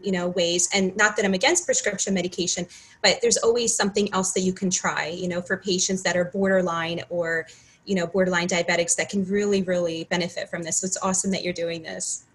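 A Ukrainian pharmacist in her thirties chats casually as an interview guest, speaking earnestly while often restarting and saying "you know" a lot. Her voice is fairly low and steady, a little fast and a bit bright. The recording quality is low.

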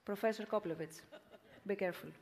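A woman moderating an event informally, in a halting way. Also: mid-range voice, darkish tone. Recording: echoing hall.

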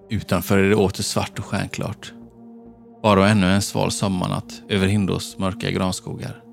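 Low gravelly male narrator. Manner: tense, measured storytelling. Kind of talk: scripted horror narration. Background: faint background music.

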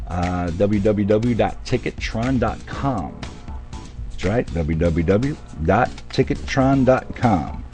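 A man's voice: fairly low pitch, animated, slow, mellow, faint music behind. A man hosting a radio show in chatty, folksy DJ patter, speaking directly to his listeners. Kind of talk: radio DJ patter, ad reads and weather.

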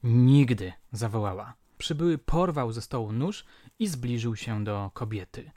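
A man of middle pitch hosts a true-crime podcast in scripted, storytelling narration. He reads old newspaper reports with relish and keeps turning to his listeners with rhetorical questions. The sound is close and dry, with no room around it. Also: animated, normal speed, a little mellow, dry recording. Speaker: podcast host.

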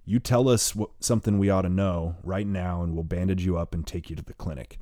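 Man voicing Merle, gruff calm leader. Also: sits low, brisk, dry recording, clean studio sound, lightly acted. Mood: commanding. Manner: coolly commanding, drawling.

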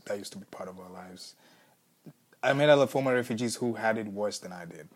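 A young man with a Kenyan accent, talking slowly and thoughtfully about his life. His voice sits fairly low, and he often stops to restart his sentences. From Congo, raised in Kenya. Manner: thoughtful, searching, with soft laughs and restarts. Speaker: musician, former refugee. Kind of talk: reflective interview answers.

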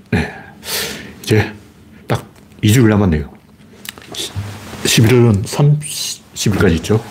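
A man's voice: mid-range voice, a little mellow, slight background noise. A man with a Gyeongsang dialect hosting a casual livestream, greeting viewers and rambling through opinionated, mocking commentary. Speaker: livestream host.

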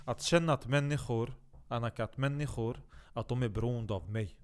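A man with a smooth, resonant voice rambles through a comic monologue, cursing freely. He swings from loud bursts to low muttering, with his pitch sitting mid-range. He stumbles and restarts as he thinks aloud. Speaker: comedic monologue host.

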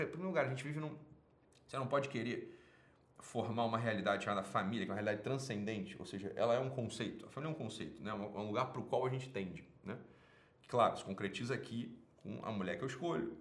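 A man's voice: mid-range voice, a bit bright, roomy sound. A man with a Brazilian Portuguese accent who hosts an advice show, answering a listener's email in a blunt, casual monologue full of swearing. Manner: blunt, swears often, emphatic.

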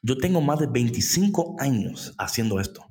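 A man in his late forties sharing about faith in a casual conversation, animated and slipping into English phrases. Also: mid-range voice, moderate pace. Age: late 40s. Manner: animated, switches into English, acts out prayers.

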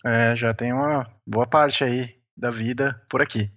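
A man's voice: medium pitch, steady tone, a little slow, a bit bright. A man with a Brazilian accent, a guest talking in an easygoing, chatty way and heard over a phone line. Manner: easygoing, chatty, sprinkles "né" and small laughs. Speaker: podcast guest, beginner mountaineer. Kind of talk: casual interview chat.

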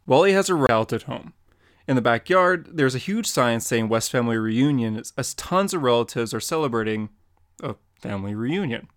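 A man's voice: mid-range voice, expressive, normal speed, dry recording. Matter-of-fact male podcast co-host narrating panel action, dry close sound. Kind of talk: reading out comic panel descriptions.

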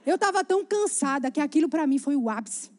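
A woman preaching, her voice set high and bright. She tells her sermon as a chatty, animated story and keeps turning to speak directly to the congregation. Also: brisk.

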